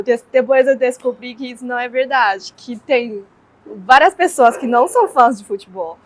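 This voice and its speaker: A woman's voice: a little high, low-quality recording. A young woman from China with a Chinese accent, answering interview questions in a hesitant way with many fillers.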